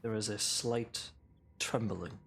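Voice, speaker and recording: A man running a tabletop game as game master, narrating scenes in a measured, descriptive way. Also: lowish voice, fairly even intonation, creaky, fairly bright tone, a little hiss or hum.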